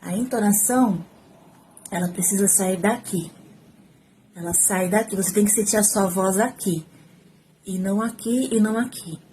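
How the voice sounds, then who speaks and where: A talkative woman with a Brazilian Portuguese accent gives a relaxed on-camera lesson from her home, speaking into her phone. Her voice sits at an ordinary middle pitch, with a faint hum of noise underneath. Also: normal speed, pauses often. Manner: talkative, animated, gestures while speaking. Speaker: former TV reporter teaching on-camera skills. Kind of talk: casual tutorial to camera. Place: at home, indoors. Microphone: phone, front camera.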